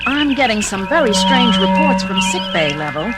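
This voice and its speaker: An actress playing a dutiful starship communications officer, polite and attentive, in a 1970s children's audio drama. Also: female voice, medium pitch, big pitch swings, moderate pace, natural voice. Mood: dutiful, uneasy. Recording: 1970s record, loud music behind.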